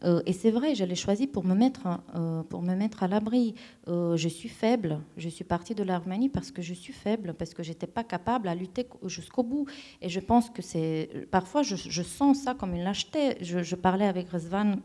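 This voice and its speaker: Soft-toned woman. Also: lowish voice, normal speed. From Romania. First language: Romanian. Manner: thoughtful, searching for words with frequent restarts. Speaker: playwright and director, guest. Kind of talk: reflective interview answers.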